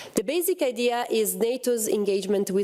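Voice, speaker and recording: A woman's intonation is lively, and noticeable background noise sits behind her. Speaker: security researcher, panel speaker. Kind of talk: conference presentation. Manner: halting, many filler sounds.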